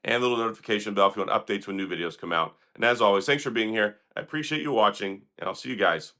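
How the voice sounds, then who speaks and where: A hoarse man, sick for days, hosting an opinionated tech commentary vlog in a sarcastic, critical, rambling manner. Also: on the low side, very fast, pushed and bright. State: hoarse, recovering from illness. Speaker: tech video host.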